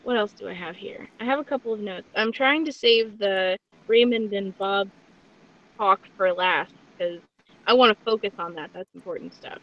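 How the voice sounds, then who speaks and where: A woman's voice: mid-range voice, moderate pace, muffled recording. A woman guest hosting a podcast, chatting casually in a gushing, rambling, informal way. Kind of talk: casual excited podcast chat.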